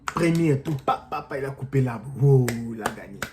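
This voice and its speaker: This American vlogger and coach speaks to camera in a relaxed, lively way, calling his audience friends while sharing a story and motivational advice. He has a medium-pitched, animated voice that moves a bit fast, and there's background noise.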